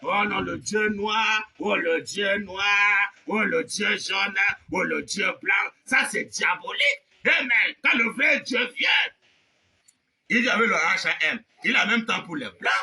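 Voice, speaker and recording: A male preacher delivers a fervent, shouted sermon. His voice sits high and rings with a sharp, intense brightness. He swings from loud high cries down to low murmurs and punctuates his points with repeated amens. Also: lively intonation, unhurried, gravelly.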